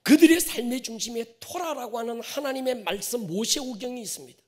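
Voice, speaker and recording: A male pastor preaching a sermon to his congregation, swinging from loud stressed phrases to whispered endings and drawing out key words. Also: very high-pitched. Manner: addresses the congregation directly, drawn-out stressed words.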